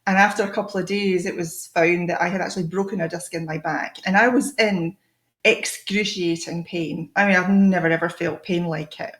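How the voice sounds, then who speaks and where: A woman's voice: lowish voice, fairly even intonation, moderate pace. Scottish woman, middle-aged, hesitant and reflective, roomy echo on a video call. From Scotland. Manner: reflective, hesitant, many ums and restarts. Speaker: guest. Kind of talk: conversational interview.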